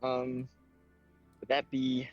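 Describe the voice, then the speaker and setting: A man's voice: medium pitch, completely flat delivery, drawn-out words, lo-fi sound, soft background music. A man playing a tabletop game, talking casually with lots of stammering and hesitation. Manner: hesitant, stammering, self-mocking. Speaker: player.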